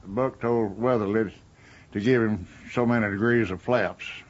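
A man's voice: lowish voice, steady tone, a little slow, dull audio. An older man with an American accent, recounting wartime flying as a veteran in an interview. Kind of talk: anecdotal interview reminiscence.

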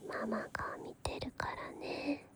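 A woman playing a gentle, doting mommy in a whispered role-play, talking to a baby in a breathy, soothing, coaxing way. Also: a little slow, natural voice. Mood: tender, soothing. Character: gentle doting mommy babying and lulling a grown listener.

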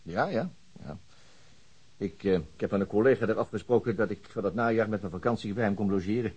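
An actor playing a flustered middle-aged father and police inspector in a radio drama, talking hesitantly in a husky voice. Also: lowish voice, darkish tone. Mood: flustered, sheepish. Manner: hesitant, halting. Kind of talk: Dutch radio drama dialogue.

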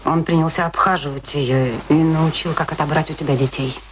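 An actress playing a bitter, vengeful, proud wife in a radio play, with theatrical, scornful, emphatic delivery. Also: female voice, low voice, steady tone, fairly quick, close to an everyday voice. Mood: cold, vengeful. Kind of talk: Russian radio play acting. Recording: noisy old radio drama recording with clicks.

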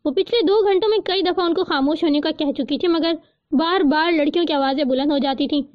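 A woman with a high voice reads a novel aloud in a calm, steady storytelling manner. The recording is dry and a little dull. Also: no echo. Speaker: audiobook narrator. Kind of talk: scripted novel narration.

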